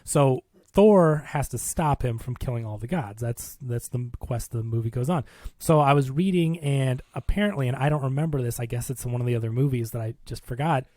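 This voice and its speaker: A man hosts a casual film discussion at a middling pitch. He talks like a storyteller, in everyday colloquial phrasing. The sound is dry, with no room around it. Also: fairly quick, mellow, dry recording. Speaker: film podcast host. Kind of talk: casual movie review chat, recapping a plot.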